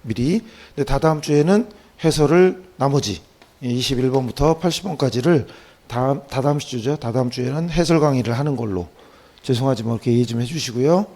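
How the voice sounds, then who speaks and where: Man, dark mellow tone, hoarse with a cold, classroom exam lecturer, short tag questions. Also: medium pitch, a little fast. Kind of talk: classroom lecture going through practice questions.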